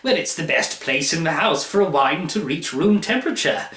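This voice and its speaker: A man's voice: on the high side, expressive, moderate pace, bright, forceful tone, roomy sound, pitched above the performer's own voice. A man voicing a cheerful, boastful newly rich dinner host in a storybook reading, eager and showy as he goads a guest. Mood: brisk, pleased.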